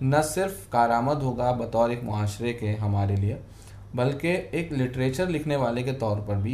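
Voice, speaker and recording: Audible room echo surrounds a man's medium-pitched voice. His intonation is lively. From Maharashtra, India (Vasai). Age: 30s. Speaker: writer and literary podcaster. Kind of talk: interview conversation.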